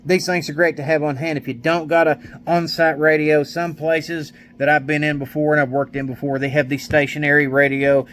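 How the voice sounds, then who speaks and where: A man with a slightly higher-than-average voice talks through a product informally. His delivery is folksy and rambling, full of everyday colloquial phrasing. There is some noise behind him. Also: fairly quick, few pauses. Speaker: product reviewer, maintenance mechanic. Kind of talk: casual product review, informal chat. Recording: steady clear background noise.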